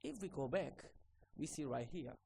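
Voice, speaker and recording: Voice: medium pitch, very animated, normal speed, gravelly, darkish tone, slightly rough. Instructor. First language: Portuguese. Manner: ends phrases with a questioning "okay?", repeats himself. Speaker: repair course instructor. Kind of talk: screen-recorded tutorial walkthrough.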